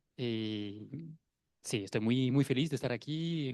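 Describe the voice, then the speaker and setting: Using fairly even intonation, a man with a non-native accent speaks at a medium pitch. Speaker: political scientist, panel discussant. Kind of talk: academic panel discussion. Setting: university panel debate. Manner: halting.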